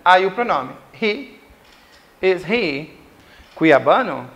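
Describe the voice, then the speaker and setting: A Brazilian man with a Brazilian Portuguese accent teaches English grammar in a recorded school lesson, going slowly with repeated examples and checks like "certo?". His voice is high-pitched, sing-song and fairly bright.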